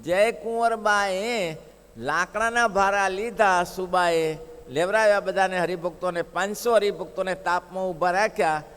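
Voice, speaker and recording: A male preacher tells a devotional story with emphasis, repeating lines and asking rhetorical questions. His voice sits a bit high for a man. It echoes with a long reverb through a large hall. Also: normal speed, a bit bright, smooth. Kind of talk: sermon storytelling.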